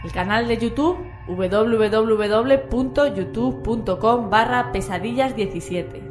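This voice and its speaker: A woman's voice: a little high, a little slow. Woman on horror radio, faint music. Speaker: co-presenter of a horror radio show. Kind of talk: radio announcements and sign-off.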